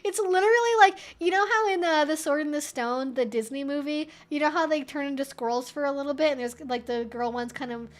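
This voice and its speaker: A woman's voice: high-pitched, brisk, few pauses. A woman hosting a casual Q&A livestream, talking in a chatty, rambling way full of informal asides. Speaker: livestream host answering viewer questions.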